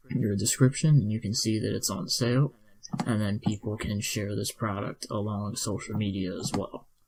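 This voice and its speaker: A man's somewhat breathy voice sits at a fairly low pitch with fairly even intonation. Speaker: online store tutorial presenter. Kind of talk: screen-recorded tutorial. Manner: slow; casual, with fillers.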